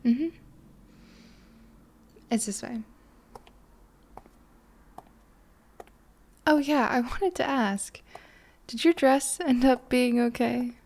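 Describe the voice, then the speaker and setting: Woman acting a smitten, soft-spoken flirty date, lightly gravelly. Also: on the high side, slow pace, long pauses. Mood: tender, excited. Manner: soft, flirty, reassuring, with small chuckles. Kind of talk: romantic audio roleplay, one side of a conversation.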